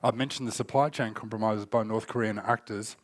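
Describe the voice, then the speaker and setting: A man's voice: on the low side, fairly even intonation, fairly quick, no room sound. A man in his forties, getting over a cold and coughing now and then, giving a conference keynote from a stage in a loose, explanatory way. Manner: loose spoken presentation with fillers, explanatory. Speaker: keynote speaker on cyber threat intelligence.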